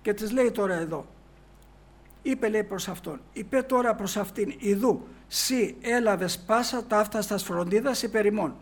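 A man preaching in a storytelling way, reading old scripture verses slowly and then explaining them in everyday speech, with many "he says" asides. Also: high voice. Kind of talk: sermon retelling a Bible story.

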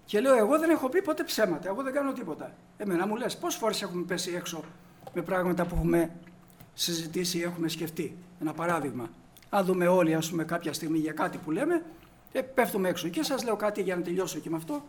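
High-voiced man preaching with stories. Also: lively intonation, slight background noise. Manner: storytelling, acts out dialogue, rises to emphatic peaks. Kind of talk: sermon with anecdotes.

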